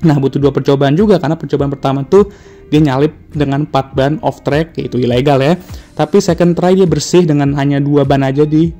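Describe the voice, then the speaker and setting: Man, motorsport youtuber, casual joking narration, slangy, higher pitch, faint background music. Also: brisk, dark tone. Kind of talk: casual race recap narration.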